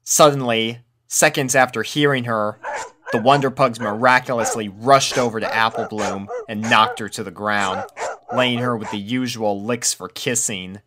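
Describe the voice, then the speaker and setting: A man's voice: mid-range voice, steady tone, moderate pace, crowd noise. A man reading a scripted story aloud as its narrator. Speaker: fan fiction reader.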